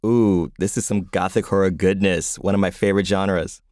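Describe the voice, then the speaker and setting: A man's voice: sits low, steady tone, moderate pace, a little mellow, no room sound, clean studio sound. A man co-hosting a story podcast with scripted introductory banter. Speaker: podcast co-host. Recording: faint music under the voice. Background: faint music.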